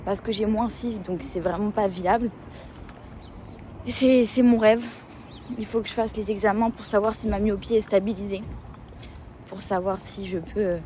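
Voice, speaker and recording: A woman's voice: medium pitch, warm tone. A young woman vlogging casually as she walks through city streets, chatty and rambling as she thinks aloud. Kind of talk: casual travel vlog while walking. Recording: street noise, passing traffic. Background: urban street ambience with vehicles.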